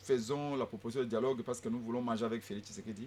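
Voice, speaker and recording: This man talks in a medium pitch. He keeps his intonation fairly even. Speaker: opposition politician. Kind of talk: political talk show debate. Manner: halting, repeats words. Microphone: far from the mic.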